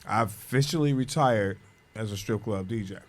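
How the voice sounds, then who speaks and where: A man's voice: lowish voice, moderate pace. A man, talking as a guest DJ in a casual radio interview, laid-back and drawling, chuckling between thoughts. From Detroit, USA.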